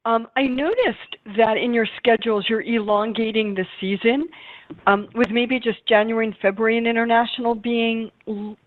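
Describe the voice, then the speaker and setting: A woman's voice: fairly high pitch, fairly even intonation, moderate pace, no room sound. A woman working as a financial analyst, asking questions on an earnings call in a polite, informal, conversational way. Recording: dry, narrow phone-line audio.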